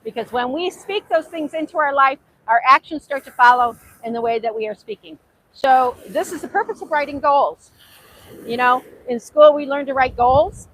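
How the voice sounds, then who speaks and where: A woman's voice: high-pitched, a bit bright, slight background noise, rough recording. A woman with a Hungarian accent, whose first language is Hungarian, giving an earnest faith-based talk outdoors at a beach. She repeats herself often and overpronounces her words with care. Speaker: author and host. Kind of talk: motivational faith talk to camera.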